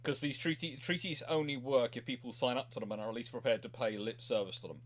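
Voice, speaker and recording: A man's voice: medium pitch, quick pace. A man hosting a casual live history question session, rambling and often repeating himself as he goes. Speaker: naval history livestream host.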